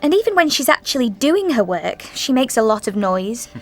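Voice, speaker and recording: Very animated and speaking at normal speed, this woman has a slightly high voice over soft background music. She is a dialogue actor in English course audio, performing a scripted office role-play in a fretful, complaining tone.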